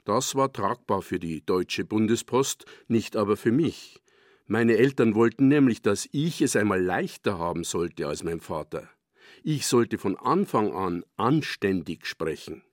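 An older man from Bavaria, a dialect poet, reading a scripted personal essay for radio in a calm, measured way. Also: fairly low pitch, dry recording, clean studio sound. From Bavaria, Germany.

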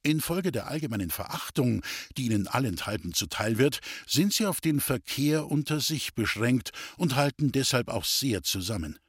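A man reading a historical novel aloud as an audiobook narrator, in an expressive storytelling manner. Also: medium pitch, breathy edge, no echo, clean studio sound. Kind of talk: scripted narration.

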